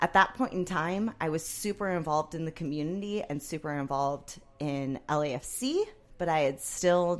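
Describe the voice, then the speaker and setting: A woman's very deep, low pitch, with ordinary pitch variation and a moderate pace. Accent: Californian. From Southern California, Orange County. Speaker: special education teacher and supporters' group drummer. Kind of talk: casual chat. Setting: studio.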